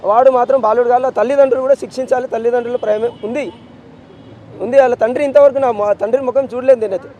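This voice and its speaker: A man's voice: very high-pitched, steady tone, quick pace, warm tone, slight background noise, low-quality recording. A middle-aged man with a Telangana Telugu accent, a bereaved father giving a street news interview, anguished and insistent as he repeats his demands. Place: outdoors on a city street.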